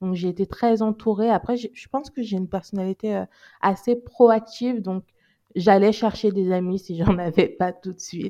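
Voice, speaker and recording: A woman speaks at a medium pitch and a moderate pace, her tone dark and mellow and her intonation fairly even. Her loudness swings a lot, and the sound is dry and close with no echo. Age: 20s. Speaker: doctoral researcher. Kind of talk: casual chat.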